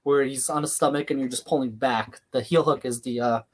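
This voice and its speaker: A young man from New York hosting a casual watch-along podcast, calling the action excitedly and laughing often. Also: medium pitch, a little fast. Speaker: podcast host.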